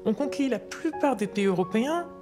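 A woman's voice: fairly high pitch, animated, fairly quick, lightly acted. A woman as an older, patient grandmother explaining history to a child in a storytelling way. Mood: patient, explanatory. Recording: music under the voice.

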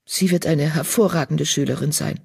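Woman doing a gentle she-cat healer, soft and soothing, husky tone, storybook. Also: low-pitched, normal speed, exaggerated voice. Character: calm, kind young female medicine cat. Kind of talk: audiobook character voice.

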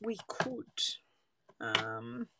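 A very animated Australian woman with a rumbling low voice draws out her words while demonstrating card making on a casual livestream, thinking aloud and at times dropping to a murmur. The recording is very noisy, captured at an indoor craft table with an overhead camera trained on her hands.

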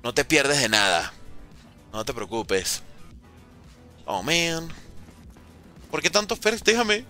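Un hombre joven que transmite en vivo un videojuego, bromeando y respondiendo mensajes del chat en tono casual. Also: male voice, a little high, big pitch swings, takes it slowly, long pauses, sharp tone, faint music behind. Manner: joking, reads and answers chat messages. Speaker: gaming streamer. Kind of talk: casual live-stream chat.

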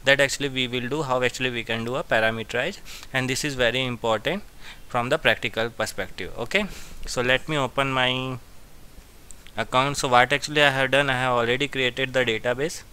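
A man giving a step-by-step software tutorial as an instructor, repeating his phrases as he goes. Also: medium pitch, steady tone, fairly quick, clean tone. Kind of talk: screen-share software tutorial.

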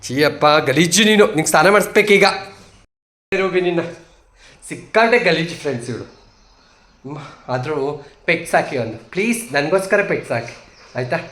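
A trans woman vlogger talks casually while walking outdoors on a hill, teasing and bossing her viewers loudly. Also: low voice. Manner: loud, teasing and bossy, scolding the viewers playfully. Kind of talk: casual vlog. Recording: roomy echo.

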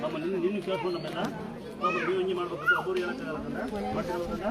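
A man with a Kannada accent, a temple priest instructing and blessing devotees at a fast, forceful pace. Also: sits high, wildly swooping pitch, heavy background noise. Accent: Kannada, Karnataka. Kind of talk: loud public address to devotees. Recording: loud crowd behind.

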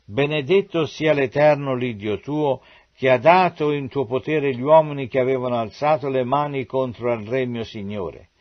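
A man's voice: mid-range voice, moderate pace, natural voice. A man voicing an eager young male messenger who pleads and reports with urgency, in a dull lo-fi recording.

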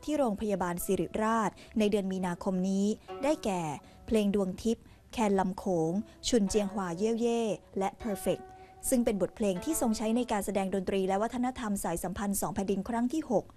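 A woman news narrator reading a scripted royal news report in a formal, measured way. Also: medium pitch. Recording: voice-over with soft music underneath. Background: faint music.

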